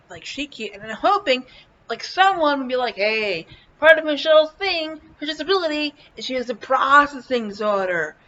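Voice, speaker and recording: A woman with a high voice talks in a casual, rambling vlog style. She is playful and blunt, swears freely, and often stalls and repeats words while finding her thought. The recording is a little dull and lo-fi. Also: fairly bright tone, a little hiss or hum. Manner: halting, repeats words while searching for them. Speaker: vlog host. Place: indoors, lying in a hospital bed with a fan running.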